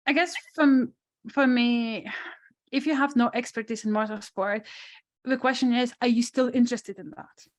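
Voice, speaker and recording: A woman's voice: fairly high pitch, steady tone, normal speed. A woman with a strong non-native accent, a sports psychologist answering questions on a webinar panel in a thoughtful, restarting way. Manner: thoughtful, many restarts and asides.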